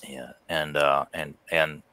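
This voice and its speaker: A middle-aged man in a casual, reflective discussion on a video call, halting and thoughtful, leaning on key words. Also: rumbling low, fairly even intonation, very noisy. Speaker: guest on a livestream discussion. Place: indoor room at home, on a video call. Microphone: headset on a video call.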